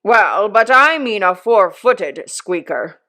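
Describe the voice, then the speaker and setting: A pompous, self-satisfied old uncle, put on by a woman reading a novel aloud. He speaks slowly and emphatically, as if every remark were a moral lesson. His voice sits a little higher and louder than the narrator's own. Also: animated, heavily acted. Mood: pompous lecturing. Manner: slow, emphatic, lecturing.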